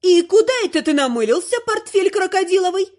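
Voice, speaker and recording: A man voicing a sharp-tongued, bossy old grandmother who scolds and shouts. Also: very high voice, sing-song, normal speed, voice pushed up, full character voice. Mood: reproachful.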